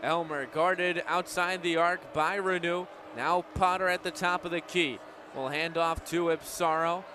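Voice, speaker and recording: This is live radio play-by-play from a young American man in his 20s, his pitch fairly high and his tone steady at a measured pace. The crowd and game sounds of the venue can be heard behind him.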